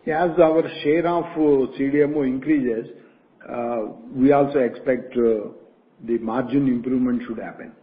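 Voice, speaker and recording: A man, a company executive answering analysts' questions on an earnings call in a measured, cautious way that often restarts phrases. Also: medium pitch, steady tone, a little hiss or hum. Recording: phone-line conference call audio.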